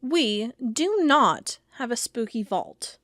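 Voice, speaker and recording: An actress playing a determined, plain-spoken FBI agent in an audio drama, matter-of-fact and wry. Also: female voice, fairly high pitch, normal speed, dry recording, clean studio sound, close to an everyday voice. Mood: earnest, insistent. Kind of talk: audio drama dialogue and recorded-log monologue.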